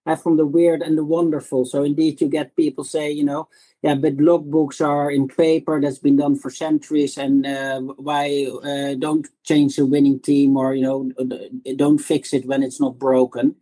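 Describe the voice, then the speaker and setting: A man's voice: a little high, little pitch movement, normal speed, mellow, low-quality recording. A middle-aged man with a Dutch accent, a startup founder answering interview questions with many restarts and repeated words. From Netherlands.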